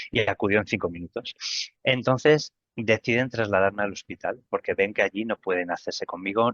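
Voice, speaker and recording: A man's voice: deep voice, fairly bright tone, no echo, dull audio. A middle-aged man with a Spain Spanish accent, retelling a personal experience as an interview guest and acting out the remembered dialogue.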